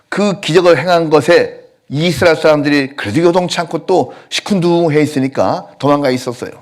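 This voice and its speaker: A male pastor preaching a sermon in a church, telling stories with lively acted-out quotes. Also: a little high. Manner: animated storytelling, acting out quotes. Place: church sanctuary.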